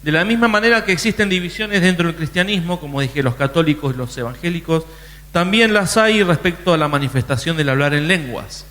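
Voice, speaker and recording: A man's voice: fairly high pitch, a little fast, pushed and bright, long reverb tail. A man preaching a sermon in a conversational way, often restarting his sentences. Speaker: pastor.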